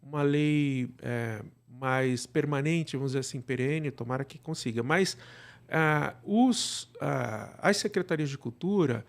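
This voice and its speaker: A Brazilian man speaking as an interview guest, explaining things casually and haltingly, often checking that he is followed. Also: mid-range voice, gravelly. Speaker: podcast guest, radio drama producer.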